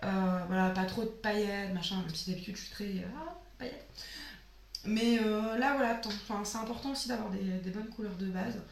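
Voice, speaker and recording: Hoarse-voiced woman chatting in an echoey room. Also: mid-range voice, steady tone, a little fast, few pauses, slight background noise. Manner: chatty, sniffling, trailing off with many fillers. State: sick, hoarse voice. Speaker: beauty vlogger. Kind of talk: casual product haul.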